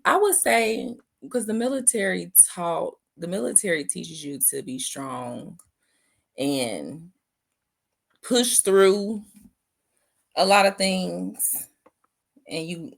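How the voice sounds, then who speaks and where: A young adult woman, both a veteran and a business owner, gives thoughtful interview answers and often repeats her phrases. Her voice is on the low side with vocal fry.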